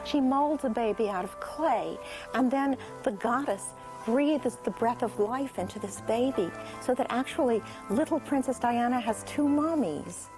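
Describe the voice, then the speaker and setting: A woman giving a measured, explanatory documentary interview about comics history. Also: a little high, music in the background, poor audio.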